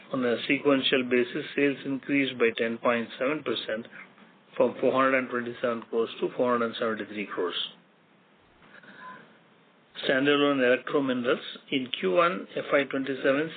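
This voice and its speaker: A man with an Indian accent formally reads out company results as an executive, in a measured, factual way, figure by figure. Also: mid-range voice. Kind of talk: formal scripted earnings presentation. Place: conference call over a phone line. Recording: tinny phone line with clear noise.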